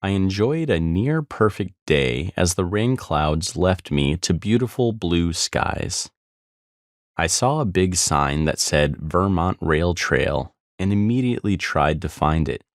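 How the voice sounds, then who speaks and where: A man's voice: low-pitched, no echo, studio quality. A man reading his own travel memoir as scripted audiobook narration.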